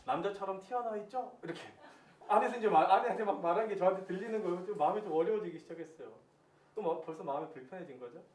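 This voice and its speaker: A pastor in his thirties giving a sermon as lively storytelling, acting out his own prayers. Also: sits high, racing. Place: church hall. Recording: echoey church hall, distant mic, faint hiss.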